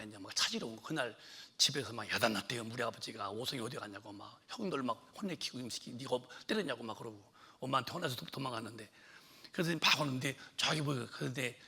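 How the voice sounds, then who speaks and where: A middle-aged man preaching a sermon as pastor, telling childhood stories, acting out shouted quotes and dropping to whispers. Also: medium pitch, slightly rough. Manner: storytelling, acts out shouting mother, drops to whispers.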